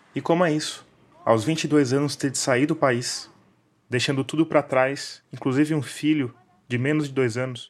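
At a moderate pace, a man talks in an ordinary speaking voice with a fairly high pitch and fairly even intonation. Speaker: podcast host and journalist. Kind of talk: scripted narration.

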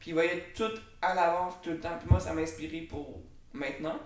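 A man with a high pitch and a Quebec accent, fairly slow and fairly even in intonation, with audible room echo. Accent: Québécois French. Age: 20s. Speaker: real estate investor. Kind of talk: interview.

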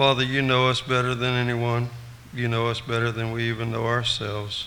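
A man at a medium pitch, speaking at a moderate pace. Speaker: church member leading communion prayer. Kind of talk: prayer. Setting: church.

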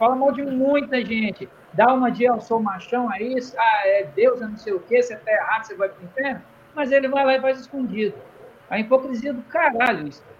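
Against noticeable background noise, a man with an extremely high pitch talks fairly quickly, with ordinary pitch variation and big swings in loudness. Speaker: costume maker, former metalworker. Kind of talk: casual chat. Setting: live stream.

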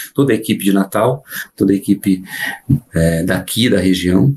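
The man's fairly low voice holds a moderate pace. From Brazil, São Paulo. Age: 40s. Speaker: film director. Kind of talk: interview. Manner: halting, with repetitions.

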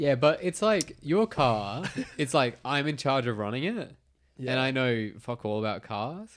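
This man has a medium pitch and lively intonation at a fairly slow pace. The recording is very clean with a silent background. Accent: Australian. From Perth, Western Australia. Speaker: podcaster. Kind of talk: casual chat.

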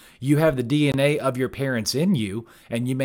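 A man with a plain, everyday voice, medium pitch, fairly even intonation and moderate pace. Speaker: podcast host and church ministry worker. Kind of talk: casual monologue. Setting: office.

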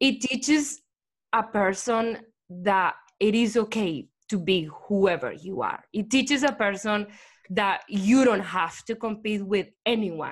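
Speaking with a Colombian accent, a woman with fairly high pitch has an animated, enthusiastic tone and ordinary pitch variation. She goes at a fairly slow pace over a quiet background. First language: Spanish. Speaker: podcast host and teacher. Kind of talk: interview conversation, storytelling.

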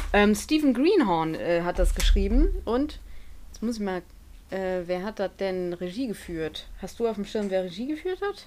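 An unremarkable speaking voice from a woman, medium-pitched, with lively intonation at a moderate pace. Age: 20s. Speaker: podcast co-host. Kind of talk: casual chat.

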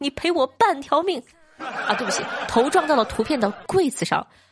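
Against a quiet background, a woman's high voice takes very wide pitch swings in an animated, playful tone at a fairly quick pace, the sound dry and close with no echo. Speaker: podcast host. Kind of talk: casual solo podcast talk. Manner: animated, playful with frequent laughter.

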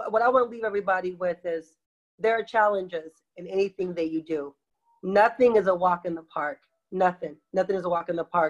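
Speaking at a fairly quick pace with a normal speaking voice, a woman with an American accent keeps a medium pitch and ordinary pitch variation. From Ghana and Portland, Oregon. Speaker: business owner and military veteran. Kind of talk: podcast interview.

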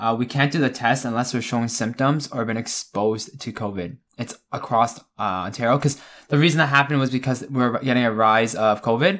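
The speech comes at a fairly quick pace with ordinary pitch variation. The recording is very clean, with a silent background. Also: man, medium pitch for a man. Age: 20s. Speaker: podcast co-host. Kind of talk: casual chat. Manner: animated.

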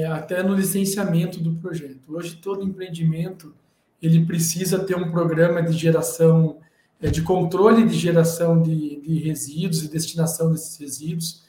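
A man with a high pitch and a dark, mellow tone talks at a moderate pace in a monotone, flat intonation. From Brazil, Campinas (São Paulo state). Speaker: civil engineer. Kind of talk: interview.

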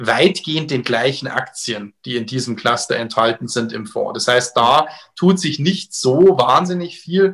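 A man speaks in an unremarkable speaking voice at medium pitch. His pace is fairly slow and his intonation lively. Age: 40s. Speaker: fund manager. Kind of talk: interview. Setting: video call.

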